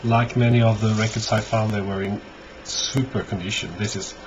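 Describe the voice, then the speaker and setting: A man giving a casual, unscripted show-and-tell as a collector, halting often and thinking aloud. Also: on the low side, flat delivery. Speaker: record collector presenting finds. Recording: dull lo-fi audio, clear background noise.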